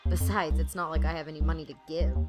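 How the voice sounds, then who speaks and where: A woman's voice: deep voice, fairly even intonation, fast, over loud music, natural voice. A woman playing an exasperated, sarcastic heroine who also narrates an audio drama, blunt in manner. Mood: annoyed, wary. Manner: sardonic, blunt. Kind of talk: audio drama acting with first-person narration.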